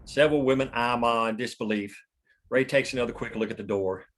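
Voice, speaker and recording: Man, mid-pitched voice, scripted narration, screenplay directions at a table read. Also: a little fast, fairly bright tone. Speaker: stage-direction reader.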